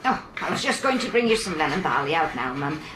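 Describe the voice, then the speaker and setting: Evasive Welsh housekeeper, echoey old recording. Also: female voice, low voice, big pitch swings, quick pace, background noise. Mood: evasive, uneasy. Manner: hesitant, reluctant. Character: evasive, deferential Welsh housekeeper, married woman in service. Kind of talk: radio drama acting.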